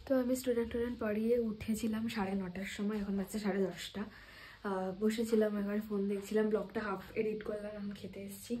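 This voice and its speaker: A young woman with a Bengali accent chatting casually to her phone camera at home, keeping her voice low because her family is asleep. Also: little pitch movement, fast, slight background noise. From India. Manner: speaks softly at night, half whispering. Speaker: vlogger. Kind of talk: casual vlog chat.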